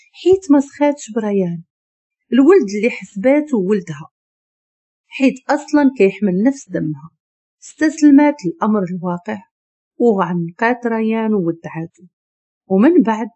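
A woman with a Moroccan Arabic accent narrating a romance story in a steady, even storytelling voice. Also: mid-range voice, breathy edge.

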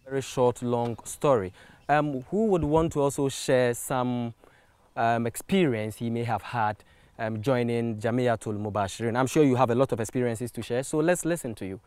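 A man's voice: medium pitch, normal speed, a little mellow, clear, resonant tone, dry recording. A man hosting a talk show, politely guiding the questions and the audience. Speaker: host.

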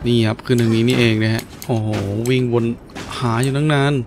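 A man's voice: mid-range voice, fairly quick. Man doing casual game commentary over music. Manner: animated, exclamatory, playful muttering. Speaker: gameplay commentator. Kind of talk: casual let's-play commentary. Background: video game music.

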